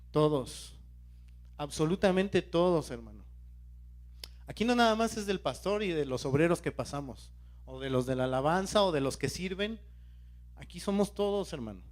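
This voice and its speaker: Guy preaching, high voice, keeps quizzing the church folks. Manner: questions the congregation and urges them to stay alert; keeps calling out to his listeners. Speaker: lay preacher. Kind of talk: sermon.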